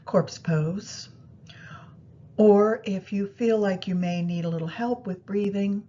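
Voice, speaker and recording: A woman guiding a meditation practice in a soothing, unhurried manner, pausing between phrases. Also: dark tone. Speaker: yoga nidra meditation guide. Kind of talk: guided meditation instruction. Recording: muffled, low rumbling background noise.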